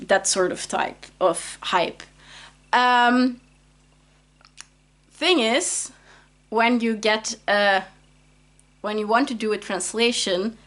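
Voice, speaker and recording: A woman's voice: mid-range voice, fairly bright tone. A Dutch-speaking woman from Belgium, an author vlogging in English in a chatty, rambling way with many fillers and restarts. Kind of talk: casual vlog chat.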